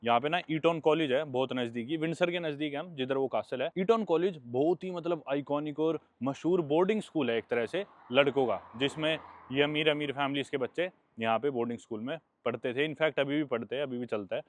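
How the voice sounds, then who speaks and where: A man's voice: on the high side, fairly quick, few pauses, no echo. A young man from India, chatting casually as a travel vlogger while walking outdoors and explaining what he sees. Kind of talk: casual travel vlog narration. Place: outdoors by a road in a small town.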